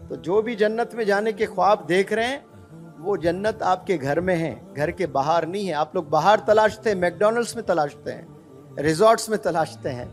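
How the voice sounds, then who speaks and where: A man preaching an emotional Islamic sermon, impassioned and exhorting, full of rhetorical questions. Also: high-pitched.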